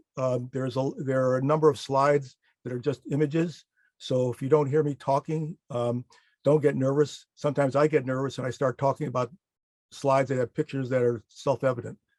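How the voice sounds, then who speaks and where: A man's medium-pitched voice, fairly quick and monotone in flat intonation, dry and close with no echo. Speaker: architect and webinar presenter. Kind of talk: webinar presentation. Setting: online webinar. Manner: fast; halting with many fillers.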